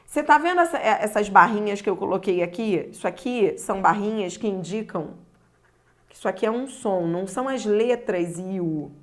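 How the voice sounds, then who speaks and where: A woman's voice: mid-range voice, lively intonation. A Brazilian woman teaching a grammar lesson, stretching key words and speaking straight to the viewer. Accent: Brazilian Portuguese. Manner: slow and deliberate, stretching key words, addressing the viewer directly.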